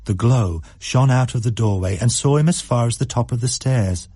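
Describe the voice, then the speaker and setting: Man reading a creepy story, low mellow voice, bit husky, dry close mic. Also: dry recording. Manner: measured, suspenseful storytelling. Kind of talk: scripted story narration.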